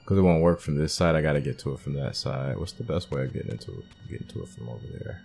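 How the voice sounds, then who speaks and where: Male gamer, extremely low pitch, casual off-the-cuff playthrough commentary, muttered thinking aloud, music underneath. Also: quick pace, vocal fry, a little mellow. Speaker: gamer, video game playthrough host. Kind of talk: casual, unscripted gameplay commentary.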